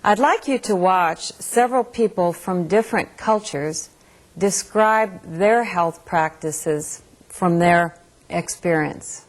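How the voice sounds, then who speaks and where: A woman instructor delivering an instructional lecture in a measured, explanatory way. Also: fairly low pitch.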